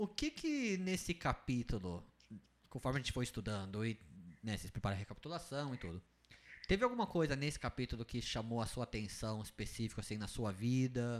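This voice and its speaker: Using a plain, everyday voice, a man at medium pitch speaks at a fairly quick pace with lively intonation. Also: very clean recording, silent background. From São Paulo state, Brazil. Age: 20s. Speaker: church youth group podcast host. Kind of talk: casual chat.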